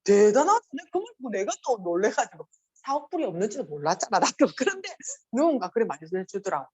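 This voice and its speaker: A middle-aged woman with a Gyeongsang accent gives a motivational seminar talk, animated and acting out quoted voices. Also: fairly high pitch, brisk, breathy edge, highs cut off. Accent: Gyeongsang Korean. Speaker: motivational speaker.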